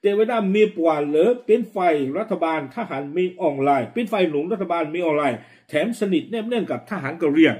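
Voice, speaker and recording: Man, news presenter, fast pace, slightly high voice, casual commentary. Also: animated, a little mellow. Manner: quick, running commentary with frequent fillers.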